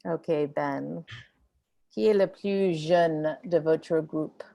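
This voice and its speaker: A woman's voice: deep voice, extremely slow, creaky, dark tone. A woman teaching an online French class over a video call, mixing French and English as she encourages her students.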